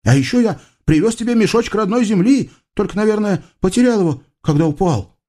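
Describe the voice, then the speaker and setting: A man voicing an eager, naive young nephew with an earnest, high-pitched way of talking. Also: animated, fairly quick, warm tone.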